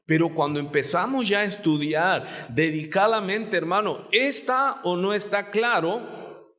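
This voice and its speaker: A Mexican male pastor preaches slowly and deliberately, with a fairly high voice. He keeps asking the congregation rhetorical questions, and his words trail off in a long church reverb. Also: bright, forceful tone. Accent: Mexican Spanish. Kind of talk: sermon. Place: church sanctuary.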